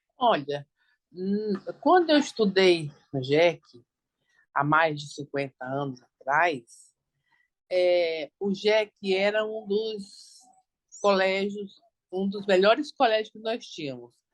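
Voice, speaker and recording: A woman of medium pitch speaks at a very slow pace with long, frequent pauses, very wide pitch swings and big swings in loudness, in a dry, close sound with no echo. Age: 70s. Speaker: retired former student interviewee. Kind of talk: interview testimony. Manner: halting.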